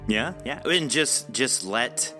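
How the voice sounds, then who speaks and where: A man's voice: mid-range voice, animated, slow, music in the background. A man hosting a podcast in a casual conversational way, appreciative and encouraging toward his guest. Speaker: podcast host. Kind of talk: casual interview chat.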